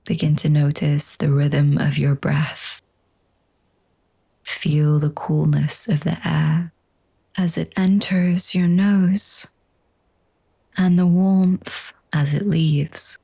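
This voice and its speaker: A woman leads a slow yoga nidra relaxation, her voice soft, breathy and husky, low-pitched and steady in tone. Her manner is gentle, hushed and soothing.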